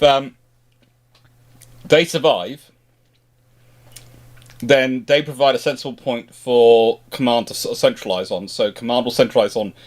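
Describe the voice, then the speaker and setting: Man reasoning aloud in casual discussion. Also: medium pitch. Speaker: history show host answering questions. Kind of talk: casual speculative discussion, explaining.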